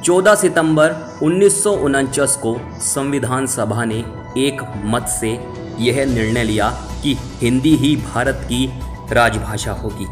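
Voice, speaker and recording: A man introducing a televised program in a measured, formal announcing manner. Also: medium pitch. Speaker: TV presenter. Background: clear background music.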